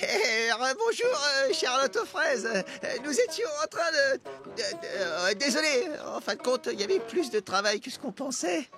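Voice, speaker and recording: High-pitched, sheepish little cartoon worker. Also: male voice, sing-song, unhurried, exaggerated voice. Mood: sheepish, apologetic. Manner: stammering, hesitant. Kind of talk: French cartoon dub acting. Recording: music behind the voice.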